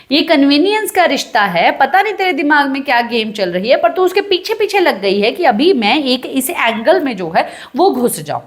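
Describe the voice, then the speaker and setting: A woman giving casual gossip commentary on a reality show, retelling events in an animated, chatty way with many filler phrases. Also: sits high.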